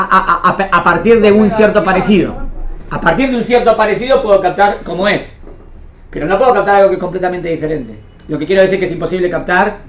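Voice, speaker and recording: A woman with an Argentine Spanish accent teaching a small class, repeating phrases and often asking if it is understood. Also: mid-range voice. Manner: didactic, checking understanding with frequent questions. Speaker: religion teacher. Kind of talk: interactive lecture to a small class.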